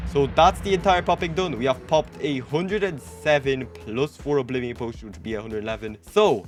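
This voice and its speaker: A young adult man giving casual gameplay commentary to camera as the host of a gaming video. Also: mid-range voice. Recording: music behind the voice.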